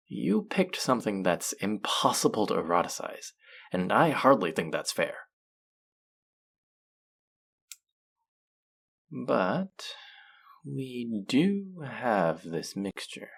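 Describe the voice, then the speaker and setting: A man playing a smug, dominant faerie trickster in an intimate roleplay audio drama, teasing and mock-scolding in a sultry, drawn-out way. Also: fairly low pitch, gravelly, breathy edge, full character voice. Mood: playful teasing.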